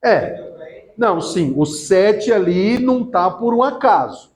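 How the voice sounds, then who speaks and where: A middle-aged man giving a classroom theology lecture, lively and often asking the class questions. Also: high-pitched, slow pace. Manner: lively, asks the class questions and acts out quotes. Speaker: theology teacher.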